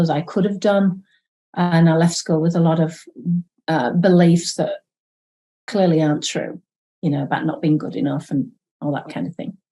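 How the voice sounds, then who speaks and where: A woman speaks in a Yorkshire accent, her fairly low voice dark and mellow in tone. It comes across somewhat breathy at a moderate pace. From Yorkshire, northern England. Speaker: psychotherapist and coach. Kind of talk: interview conversation. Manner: hesitant, many fillers.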